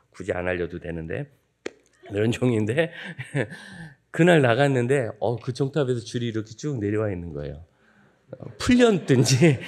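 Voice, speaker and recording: A man in his fifties, a guest pastor preaching at a dawn church service, telling joking stories from his childhood in a lively way. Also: mid-range voice. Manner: lively, joking anecdotal storytelling. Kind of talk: sermon with humorous storytelling.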